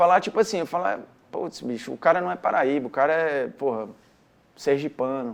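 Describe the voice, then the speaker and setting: Against a quiet background, a man with a Ceará accent speaks at a moderate pace in a fairly high pitch with lively intonation. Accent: Cearense (northeastern Brazilian). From Ceará, Brazil. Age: 30s. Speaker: sports journalist and commentator. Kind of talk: interview answer. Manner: irreverent, casual.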